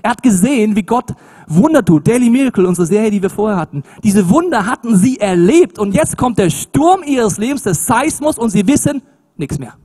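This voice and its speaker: A man preaching a sermon in an animated, emphatic, colloquial way, with swings between loud emphasis and hushed asides. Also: high-pitched, brisk, slightly rough.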